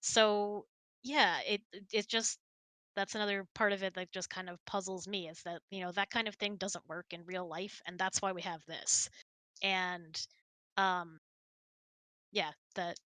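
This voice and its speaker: A woman's voice: medium pitch, bright, forceful tone, dry recording. A woman hosting a casual question-and-answer chat in an informal, giggly, chatty way. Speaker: host.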